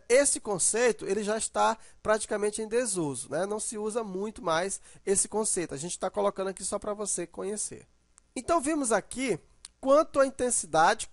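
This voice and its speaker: A man's voice: sits high, no echo, clean studio sound. A man teaching an online grammar lesson. He explains patiently, draws out example words to show the stressed syllable, and often checks in with "né?" or "ok?".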